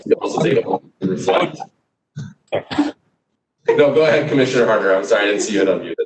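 Low-voiced man chairing a board meeting. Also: lively intonation, background noise. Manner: measured, formal, procedural. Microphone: video call. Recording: echoey distant video-call audio.

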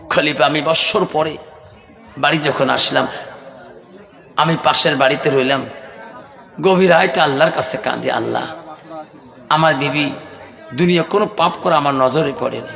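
Male preacher, high pitch, sung sermon storytelling, heavy hall reverb. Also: vocal fry, a bit bright, a faint crowd. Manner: chanting, drawn-out melodic delivery with repeated address to listeners. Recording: echoey hall reverb through PA.

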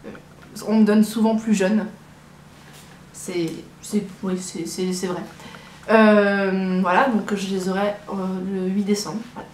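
Speaking a little slowly in a flat, medium-pitched voice with a darkish tone, a Breton woman in her early twenties presents herself to camera as a vlogger. Her casual chat is hesitant and rambling, full of repetition. She's indoors in a small living room, recorded by a tripod-mounted compact camera roughly a metre off, with echo and noticeable background noise.

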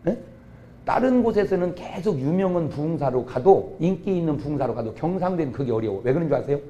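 A middle-aged man, a pastor, preaching a comic revival sermon, jumping from quiet asides to sudden shouts. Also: a little high, expressive, quick pace, highs cut off. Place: church revival meeting.

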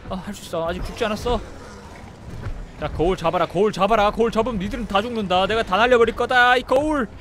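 High-voiced excitable male game commentator. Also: quick pace. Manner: shouts and exclaims, talks to the game creature. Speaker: game streamer.

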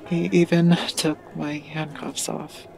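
A woman playing a withdrawn, troubled teenager narrating an audio drama, hesitant and confiding in a creaky voice. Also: sits low, flat delivery, slow pace, exaggerated voice. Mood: subdued, dazed.

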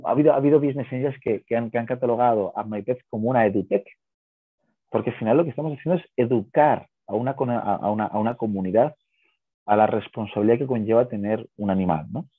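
This pet-business co-founder, appearing as a guest, talks fast over a thin, phone-quality video call. His voice is fairly low and distinctly husky, with no echo or space around it, and he keeps his explanations conversational, peppered with quick checking questions.

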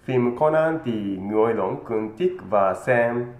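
A man's voice: medium pitch, animated, darkish tone. A man in his thirties, a native Japanese speaker with a Japanese accent, presenting scripted phrases with careful enunciation. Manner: careful, deliberate enunciation of a learned language. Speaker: presenter of a language channel. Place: indoor room with green screen. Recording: roomy, slightly dull, faint noise.

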